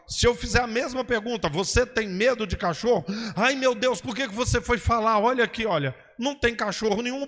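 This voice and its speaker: A man's voice: high-pitched, fairly bright tone, in a large hall. A male preacher teaching in a sermon style, asking and answering his own questions and checking in with "ok?" and "understood?". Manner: didactic, repeats "ok?" and "entendeu?", asks and answers his own questions.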